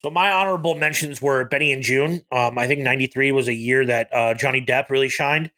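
A man's voice: mid-range voice, a little fast, sharp tone. A man co-hosting a podcast, chatting casually about movies and rambling with lots of ums and likes. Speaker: podcast co-host.

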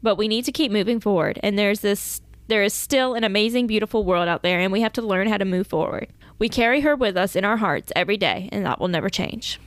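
A woman's voice: mid-range voice, no echo, clean studio sound. A woman co-hosting a true-crime podcast, reading out case details and chatting casually. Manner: reads case notes, breaks into laughter. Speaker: podcast co-host.

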